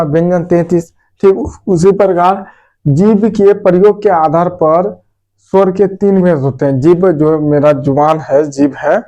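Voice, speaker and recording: A man teaching children a Hindi grammar lesson. He asks his own questions, answers them, and says vowel sounds aloud slowly to show how they are made. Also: high-pitched, dark tone. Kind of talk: classroom-style lesson to children.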